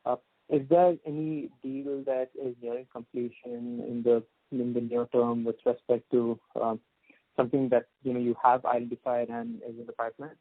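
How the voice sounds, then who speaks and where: A man asking halting, long-winded questions as an analyst on an earnings call. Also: medium pitch, flat delivery, no room sound. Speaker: analyst caller. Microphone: telephone. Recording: tinny, dry phone line.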